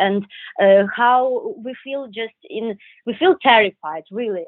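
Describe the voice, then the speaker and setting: A woman with a Ukrainian accent at a fairly slow pace. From Khmelnytsky, Ukraine. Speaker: Ukrainian interviewee. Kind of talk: interview.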